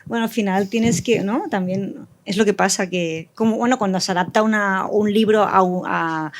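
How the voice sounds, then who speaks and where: A woman's voice: mid-range voice, fairly even intonation, moderate pace. A woman speaking informally as a panelist in a casual discussion, tentative and often correcting herself as she explains her work. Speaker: audio fiction writer and panelist.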